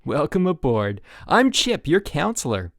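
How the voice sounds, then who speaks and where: Man putting on a high, gushing, cheery camp counselor. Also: huge pitch swings, a little slow, no echo, studio quality, full character voice. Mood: bright, eager. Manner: bright, forced enthusiasm. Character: relentlessly cheerful young male camp counselor.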